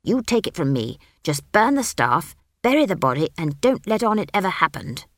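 A woman voicing a stern old country witch in an audiobook story, brisk, snapping and short-tempered. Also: fairly low pitch, big pitch swings, no echo, studio quality. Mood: angry, scornful.

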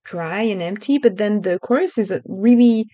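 A woman's voice: medium pitch, animated, moderate pace, warm tone, no room sound, highs cut off. A woman co-hosting a music podcast in casual chat, often hesitant and correcting herself, giggling between thoughts. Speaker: podcast co-host.

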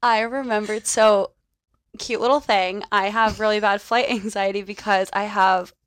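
Young woman, podcast co-host, animated storyteller, casual swearing, mid-range voice, dry close mic. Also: medium pitch, normal speed, clear, resonant tone, dry recording. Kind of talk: casual chat.

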